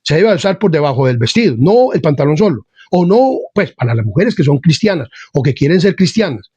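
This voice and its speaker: A man's voice: a little high, big pitch swings, a little fast, husky, dry recording. A man preaching an informal sermon to an online channel, blunt and hard-edged, who keeps addressing his listener as dear friend and brother. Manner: insists he is not angry while speaking forcefully. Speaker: lay preacher.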